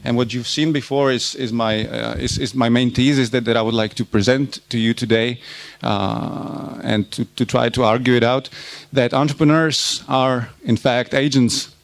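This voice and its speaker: A man gives an academic conference talk, pausing often and repeating words before he goes on. His voice has a gravelly, creaky edge at a mid pitch. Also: steady tone, no echo. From Czech Republic. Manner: halting, often repeats words while searching for them. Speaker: university lecturer presenting research.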